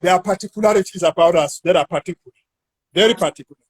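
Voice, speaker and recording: A South African man, a university academic, talking through an academic discussion in a measured way and drawing words out while he thinks. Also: sits high, slightly rough, dry recording.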